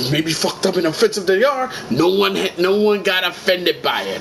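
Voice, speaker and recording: Noticeable background noise behind a man's moderately paced speech, its pitch varying in an ordinary way. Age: 30s. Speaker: gaming YouTuber. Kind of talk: rant. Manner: animated.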